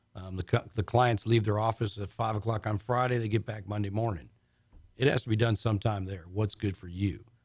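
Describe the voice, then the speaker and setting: A man with an American accent speaks in a fairly low, somewhat breathy voice with fairly even intonation. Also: very clean recording, silent background. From Michigan, US Midwest. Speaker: business owner. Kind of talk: radio interview. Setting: studio.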